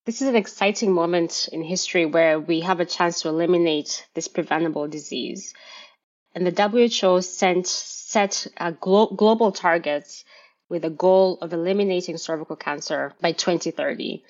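A middle-aged woman from Kenya, a gynecologist guest explaining health issues in a measured way on a podcast. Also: fairly low pitch, a little mellow, dull audio. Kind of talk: podcast interview.

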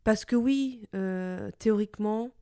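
A young woman from Portugal, a native Italian speaker with an Italian-Portuguese accent, hosting a reflective personal podcast monologue, thoughtful and hesitant with many pauses and restarts. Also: mid-range voice, mellow, dry recording, clean studio sound. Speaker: podcast host.

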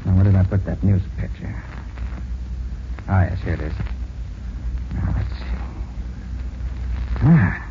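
American master detective, old radio show, brisk n sure of himself, muffled hissy recording. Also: male voice, low voice. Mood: businesslike. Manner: brisk, declarative, commanding. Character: confident master detective, shrewd and authoritative. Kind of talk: 1940s radio acting.

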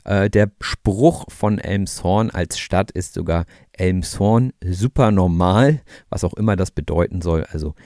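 A man in his thirties from northern Germany, hosting a podcast for German learners in calm, clear, deliberate narration. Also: low voice, no echo, studio quality. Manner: calm, explanatory, easygoing. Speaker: podcast host teaching German.

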